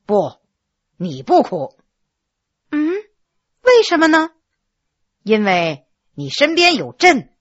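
A woman's voice: high-pitched, wildly swooping pitch, takes it slowly, long pauses, heavily acted. A woman voicing a commanding, doting middle-aged emperor who speaks indulgently and soothingly, in a slightly muffled recording. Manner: indulgent, soothing, then overjoyed.

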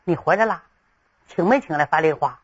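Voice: medium pitch, animated, fairly quick, husky, lo-fi sound, pitched below the performer's own voice. A storyteller voicing an anxious, blunt male officer who talks urgently.

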